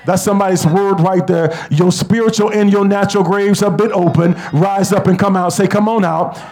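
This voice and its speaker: A man preaching a sermon, leading the congregation in call-and-response and rising to shouts. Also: high voice, steady tone, a little fast.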